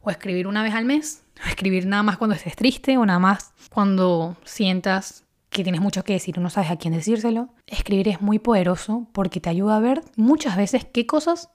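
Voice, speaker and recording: A young woman speaks to her viewers in a casual, heartfelt self-help talk. Her pitch sits in a middle range, and she talks warmly and conversationally, often with a soft laugh between points. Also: a little fast, few pauses. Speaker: video host.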